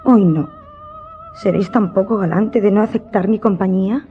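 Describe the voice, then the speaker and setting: A woman's voice: medium pitch, expressive, normal speed, lightly acted. Nervous, imperious countess acted by a woman, muffled audio. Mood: insistent, uneasy. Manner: dramatic, formal, insistent. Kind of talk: radio drama acting. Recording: dull recording with background music.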